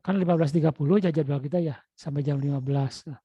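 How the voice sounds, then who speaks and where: A man's voice: a little high, steady tone, quick pace, warm tone, breathy edge, dry recording. A man with a Sundanese-influenced Indonesian accent teaching an online class, coaxing and repeatedly calling out to his students. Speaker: lecturer. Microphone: video call. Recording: dull lo-fi video call audio.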